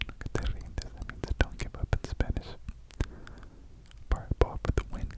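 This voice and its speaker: Whispering at a fairly quick pace. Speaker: ASMR gaming creator. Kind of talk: ASMR gaming commentary. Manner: whispered. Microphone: studio mic.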